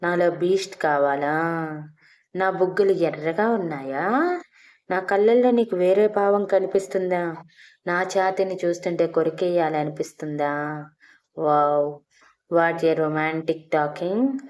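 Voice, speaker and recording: A woman's voice: fairly low pitch, slow pace, long pauses, darkish tone. A woman voicing a stern, sarcastic older husband and grandfather in an audio story, scolding and teasing his wife.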